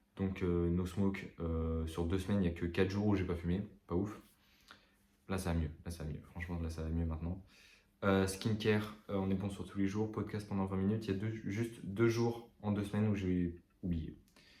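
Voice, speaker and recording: There is audible room echo around a man with a very deep, low pitch and a dark, mellow tone, who speaks at a moderate pace with fairly even intonation. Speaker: vlogger. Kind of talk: casual monologue vlog.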